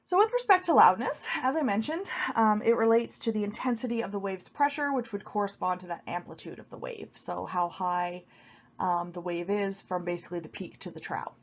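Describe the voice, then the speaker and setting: A woman with a head cold talks through a recorded lecture, her voice a little sniffly. She explains in a relaxed, informal way, filling pauses with ums and restarting phrases. The audio is slightly dull and lo-fi, as if from a computer microphone. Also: medium pitch. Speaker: university lecturer.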